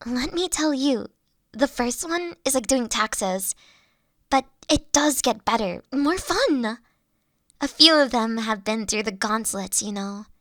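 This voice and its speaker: A woman plays a big young female dragon who is a bashful, self-deprecating nerd. Her voice is on the high side and she speaks slowly, in a halting, earnest way. It is an intimate roleplay audio, recorded very dry and close. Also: fairly bright tone, no echo, exaggerated voice. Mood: enthusiastic, nerdy. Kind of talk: intimate one-sided character audio roleplay.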